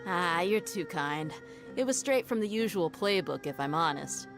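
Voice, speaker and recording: A woman's voice: fairly low pitch, lively intonation, moderate pace. A woman playing a shrewd, cool-headed young desert mercenary in a video game, speaking in a self-assured, matter-of-fact way. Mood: frank, thoughtful. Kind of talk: dramatic video game voice acting. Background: music.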